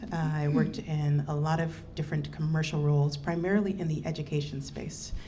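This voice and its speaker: A woman with an American accent speaks at a moderate pace in a very deep, low pitch. Her tone is dark, mellow and somewhat breathy, with audible room echo. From United States. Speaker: product manager. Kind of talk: live podcast panel discussion.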